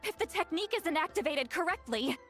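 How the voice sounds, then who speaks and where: An actress playing a proud, feisty young shaman in a video game, imperious and sharp in manner. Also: extremely high pitch, lively intonation, fairly quick, faint music behind. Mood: urgent.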